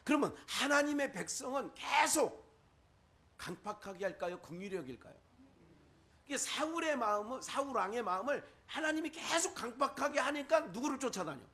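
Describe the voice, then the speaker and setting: A man's voice: very high voice, lively intonation, normal speed, bright, forceful tone. A male pastor with a Chungcheong Korean accent, preaching a sermon full of rhetorical questions and quoted asides.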